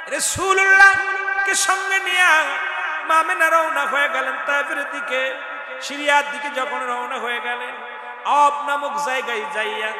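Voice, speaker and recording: A man preaching a chanted sermon, moving between quiet storytelling and sung, shouted wailing. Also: very high voice. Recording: echoey hall with music behind.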